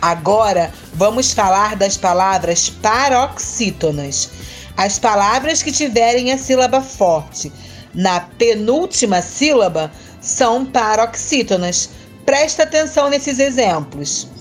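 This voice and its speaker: A woman teacher, explaining a grammar lesson clearly and slowly on a scripted educational podcast. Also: medium pitch, expressive, faint music behind. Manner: slow, clear, didactic.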